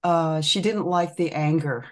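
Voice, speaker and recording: Measured, storytelling woman guest. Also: low-pitched. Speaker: podcast guest, author. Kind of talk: casual conversation.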